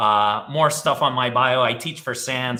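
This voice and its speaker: In an unremarkable speaking voice, a man talks at a medium pitch with an American accent. His intonation is fairly even. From South Florida. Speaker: cybersecurity executive and instructor. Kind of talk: live stream interview.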